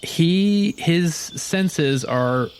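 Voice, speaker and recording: A man improvising descriptions of his character as a player in a tabletop game, speaking casually and haltingly. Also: fairly high pitch, animated, slight background noise.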